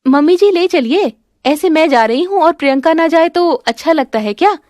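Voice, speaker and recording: Woman playing a cartoon daughter-in-law, high and shrill, scheming, sulky, dry close sound. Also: lively intonation, moderate pace, darkish tone, no echo. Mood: protesting.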